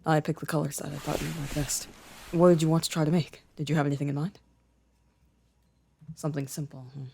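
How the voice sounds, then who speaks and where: A young man playing a gentle, shy, affectionate boyfriend in an ASMR roleplay, speaking softly and hesitantly with careful phrasing. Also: fairly high pitch, level tone, fast, vocal fry, a little hiss or hum. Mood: gentle, attentive.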